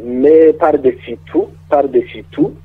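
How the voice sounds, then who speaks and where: Husky man on a tinny phone line. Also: medium pitch, fairly even intonation, slow pace. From southern Rwanda. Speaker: priest and debate guest. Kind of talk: radio debate.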